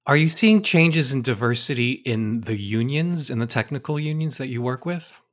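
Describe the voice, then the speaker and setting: A man's voice: mid-range voice, lively intonation, moderate pace. A man interviewing a guest, asking short conversational questions.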